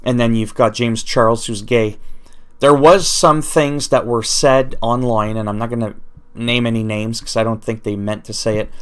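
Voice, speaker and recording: A man's voice: mid-range voice, steady tone, normal speed, clear, resonant tone. A man whose first language is French, ranting off the cuff in an unscripted vlog commentary and thinking aloud as he goes. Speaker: YouTuber.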